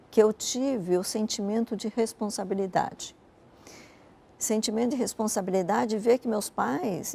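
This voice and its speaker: An older businesswoman who grew up in Japan and speaks Japanese natively is an interview guest, recalling her life in a reflective, conversational way. Her voice is medium-pitched and mellow, and she tags her storytelling with frequent "né".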